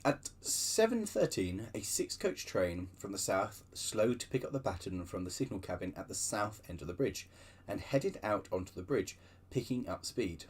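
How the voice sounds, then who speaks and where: A man's voice: fairly low pitch, normal speed, slightly rough. A man hosting his own channel, reading railway book extracts aloud with chatty asides. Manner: lively storytelling with chatty digressions.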